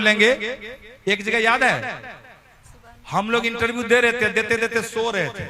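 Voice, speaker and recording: A man's voice, high-pitched, is raised and projected with an animated tone. Noticeable background noise can be heard. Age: 60s. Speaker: folk singer. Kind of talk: casual interview talk.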